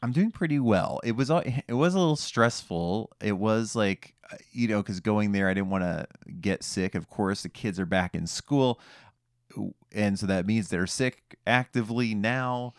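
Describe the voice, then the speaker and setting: A man with a fairly low voice co-hosts a casual comic podcast. He jokes in a dry, playful way, and the sound is close, with very little room. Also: normal speed, no room sound. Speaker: podcast co-host.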